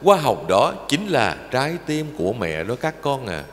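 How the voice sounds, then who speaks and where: An older man, a Buddhist monk, giving a fervent sermon that shifts into slow, sing-song recited verse and speaks to listeners as his children. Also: mid-range voice, very animated. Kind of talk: emotional Dharma talk with recited verse. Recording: long reverb of a large hall.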